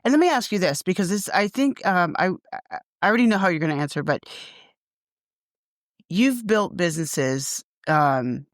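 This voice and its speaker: A woman's voice: on the low side, expressive, normal speed, no echo, clean studio sound. A woman hosting a podcast interview, putting questions to her guest in a conversational style. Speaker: podcast host.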